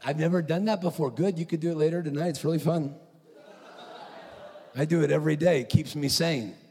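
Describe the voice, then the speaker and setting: Gravelly man preaching in an echoey hall. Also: fairly high pitch, fairly quick, a little hiss or hum. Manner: animated storytelling with acted-out quotes. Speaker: conference speaker. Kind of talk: preaching sermon. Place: large conference hall.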